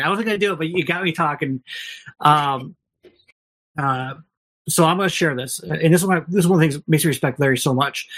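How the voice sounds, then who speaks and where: Candid man telling stories on a podcast. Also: on the high side. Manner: candid, rambling, many restarts and quoted dialogue. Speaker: podcast guest. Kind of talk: casual storytelling.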